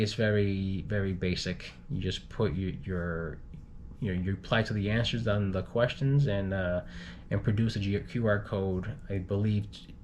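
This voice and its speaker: Low-voiced man reading news, noisy recording. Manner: halting, stumbles and repeats words while reading. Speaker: news reader for an expat community channel. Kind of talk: informal reading of news items with commentary. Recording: clearly noisy home recording with low rumble.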